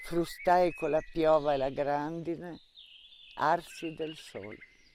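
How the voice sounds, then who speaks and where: This speaker has an Istrian accent and a dark, mellow tone. The pace is very slow and the intonation fairly even. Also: woman. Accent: Istrian Venetian dialect (Izola). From Izola, Slovenian coast (Istria). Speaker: poet. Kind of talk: poetry reading.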